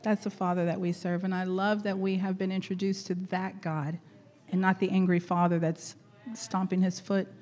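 A middle-aged woman leading a church gathering, chatty and laughing often, her voice going hoarse. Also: on the low side, little pitch movement, moderate pace, a little mellow. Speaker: church leader. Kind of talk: warm casual church greeting and exhortation.

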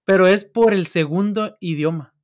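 A young man with a Mexican Spanish accent, chatting casually as a software engineer guest, loose and slangy and often laughing. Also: high-pitched, normal speed. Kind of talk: casual podcast chat.

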